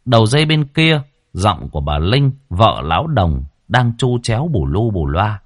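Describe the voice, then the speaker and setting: Deep, husky male horror storyteller. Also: sing-song, moderate pace, no echo, studio quality. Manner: dramatic, vivid storytelling.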